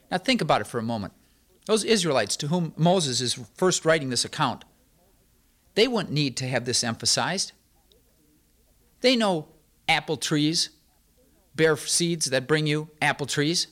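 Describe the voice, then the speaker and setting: A man's voice: fairly high pitch, a bit bright. A man giving an emphatic sermon, stressing points through repetition as a Bible teacher.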